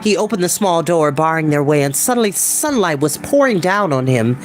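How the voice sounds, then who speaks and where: Expressive storyteller over soft ambient music. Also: medium pitch, normal speed. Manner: expressive, theatrical, casual. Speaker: host reading books aloud. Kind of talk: animated storybook reading with chatty asides.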